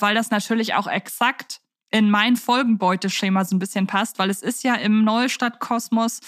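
Female podcast host, higher voice, effusive and informal, very dry close sound. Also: a bit bright, no echo. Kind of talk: casual podcast chat.

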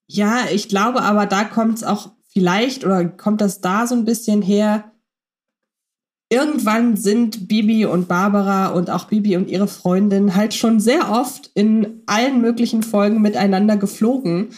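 A woman's voice: medium pitch, steady tone, a little slow, darkish tone. German woman, thoughtful podcast chat. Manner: thoughtful, analytical, fillers. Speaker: podcast co-host. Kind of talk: casual chat.

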